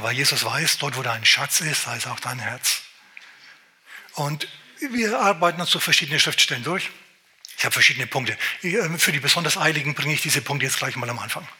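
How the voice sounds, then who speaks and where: A male pastor preaching a sermon, lively and addressing the listener directly with questions. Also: mid-range voice. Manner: lively, exclaiming, talks straight to the listener.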